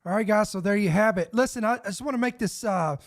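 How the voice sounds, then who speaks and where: A man hosting a commentary podcast, raspy and sniffling as he gets over a head cold, talking in a chatty, self-correcting way. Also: sits high, fast. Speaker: podcast host. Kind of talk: casual commentary.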